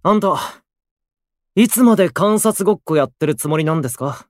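An actor playing a gloomy, prickly, self-deprecating young station worker in a voice drama, with blunt, grumbling delivery. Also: male voice, a little high, animated, normal speed, no echo, clean studio sound, lightly acted. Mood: confrontational. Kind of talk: Japanese voice drama acting.

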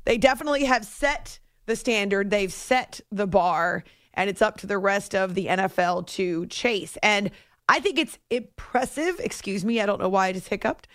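A woman hosting a late-night sports radio show, talking through results in a chatty way with quick asides. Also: mid-range voice, a bit bright, no room sound, studio quality. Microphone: studio microphone.

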